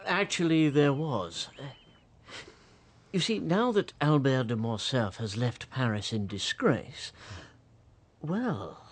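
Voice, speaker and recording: An actor playing a fawning, greedy banker baron in a radio drama, flustered and hesitant. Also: male voice, medium pitch, animated, slow, long pauses, slightly rough.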